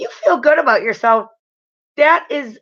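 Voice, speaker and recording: Raised and projected, this woman's voice has a bright, sharp tone. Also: quiet background. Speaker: tarot card reader. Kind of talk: spiritual talk to camera.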